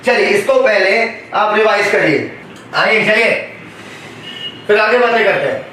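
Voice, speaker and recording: High-voiced man teaching in an echoey classroom. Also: animated, measured pace, sharp tone, distant mic, a little hiss or hum. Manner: calls students beta, asks questions for the class to answer. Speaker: biology teacher. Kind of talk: classroom lecture.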